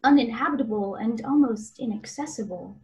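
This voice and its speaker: A woman's voice: on the high side, a little fast, natural voice, rough recording. A woman playing a glib, jeering nobleman in a Shakespeare radio play, with teasing, quippy delivery.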